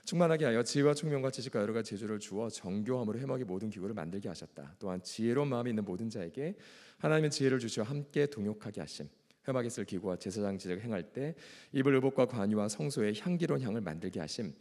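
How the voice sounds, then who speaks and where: A man's voice: fairly low pitch, lively intonation, fast, a little mellow. A male pastor with a strained, ailing throat, teaching a Bible class in a formal, earnest way. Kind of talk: Bible lecture with reading and prayer. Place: church hall. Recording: long echoing hall reverb.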